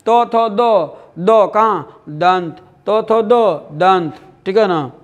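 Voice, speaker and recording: A man's voice: high-pitched, very slow, muffled recording. A male teacher with a Bihari accent giving an exam-prep lesson. He repeats words over and over and keeps asking his students questions, calling them "dear". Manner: drills answers, repeating words and asking the class.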